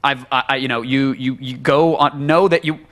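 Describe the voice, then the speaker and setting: A man's voice: medium pitch, fairly even intonation, moderate pace, fairly bright tone. A man hosting a podcast, talking casually in a rambling way with restarts and bursts of laughter. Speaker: podcast host. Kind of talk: casual chat.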